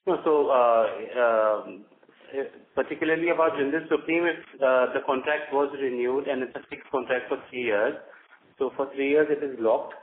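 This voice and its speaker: An Indian-accented man answers as a company executive on an earnings call. His delivery is halting and unscripted, at a middle pitch. The phone line is echoey and clearly noisy. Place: conference call.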